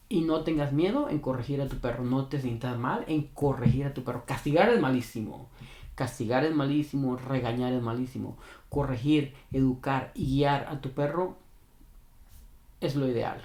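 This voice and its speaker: A man coaching a dog owner, speaking earnestly and hammering each point home by repeating it. His voice sits at an ordinary middle pitch. It carries a noticeable room echo. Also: mellow. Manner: earnest, repetitive, emphatic. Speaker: dog trainer. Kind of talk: explaining advice to a viewer. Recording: roomy echo.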